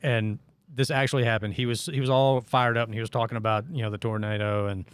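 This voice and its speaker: A middle-aged man from Northeast Arkansas hosts a casual podcast. He tells rambling stories in a sarcastic voice of middle pitch. The recording is dry and close, with no room sound. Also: level tone, fast, clear, resonant tone, no echo. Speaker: podcast host.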